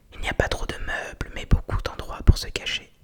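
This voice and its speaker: A woman whispers amid noticeable background noise. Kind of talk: whispered horror story reading (ASMR). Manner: whispered, soft.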